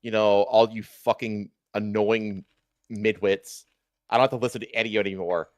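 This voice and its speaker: A man's voice: fairly low pitch, fairly even intonation, moderate pace, no room sound. A man hosting a livestream, ranting casually with emphatic, repetitive, profane talk. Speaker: livestream host.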